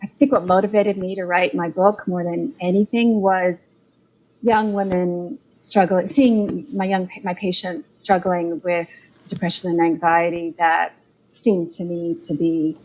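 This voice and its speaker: A woman's voice: on the low side, flat delivery, unhurried, a little mellow, slight background noise, poor audio. A middle-aged Canadian woman with a Canadian accent, a clinician guest on a podcast, explaining medical research in an earnest, detailed way. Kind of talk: podcast interview over a call.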